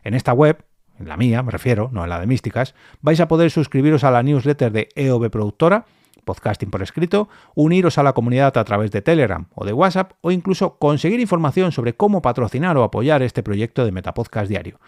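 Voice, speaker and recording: A man's voice: mid-range voice, big pitch swings, fairly quick, a little mellow, dry recording, studio quality. A man with a Spain Spanish accent hosting a solo podcast, explaining things informally with emphatic repetitions in a conversational review style. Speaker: podcast host.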